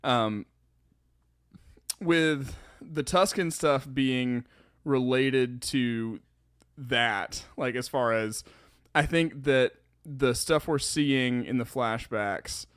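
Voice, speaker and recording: A man co-hosting a podcast in casual discussion, thinking aloud in halting, broken phrases. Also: medium pitch, clean tone, no echo, studio quality. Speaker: podcast co-host.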